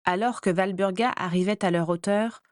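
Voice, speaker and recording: A woman's voice: medium pitch, fairly even intonation, moderate pace, no room sound. Woman narrating a fantasy audiobook, dry. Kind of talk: scripted narration.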